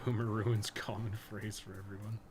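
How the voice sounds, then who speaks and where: A man's voice: on the low side, flat delivery, moderate pace, heavy background noise. A man live-streaming a video game with casual, slangy commentary, swearing freely and sometimes muttering to himself as he plays. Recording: music behind the voice. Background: music.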